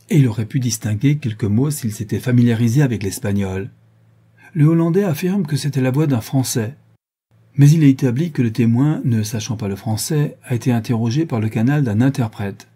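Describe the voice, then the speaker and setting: A man's voice: mid-range voice, slightly rough, natural voice. A man reading a cool, methodical young detective. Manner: calm lecturing reasoning, measured. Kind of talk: audiobook reading.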